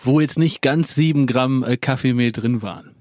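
A man's voice: medium pitch, moderate pace, darkish tone, slight background noise. A man co-hosting a casual talk, joking about himself with dry humor. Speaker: podcast co-host. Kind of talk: casual chat.

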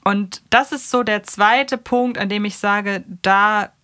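A woman's voice: mid-range voice, fairly even intonation, slow pace, pushed and bright, clean tone, no echo, clean studio sound. A woman co-hosting a podcast, chatting casually and giving critical review commentary. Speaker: podcast co-host.

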